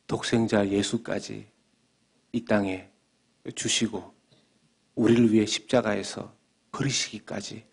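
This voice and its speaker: A man, a senior pastor, preaching a sermon that moves from hushed, whispered questions to fervent, rising exhortation. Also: on the low side, vocal fry, slightly rough.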